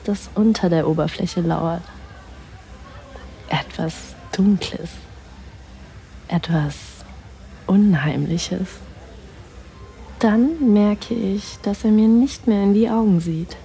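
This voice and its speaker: A woman narrating an erotic audio drama in the first person, in a breathy, sensual way that slips into whispers. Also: lowish voice, warm tone.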